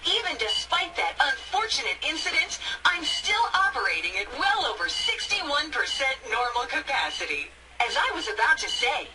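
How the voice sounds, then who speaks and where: A woman's voice: high-pitched, recorded from a distance, background noise. A woman voicing a chirpy female robot theme-park guide with a metallic robot voice in a video game, her bubbly sales patter breaking into glitches. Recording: video game audio with loud music, from afar.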